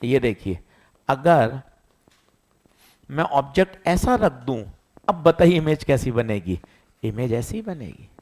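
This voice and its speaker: Lively physics teacher man. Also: medium pitch, slow, pauses often. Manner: lively, quizzing students and answering himself. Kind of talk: classroom lecture.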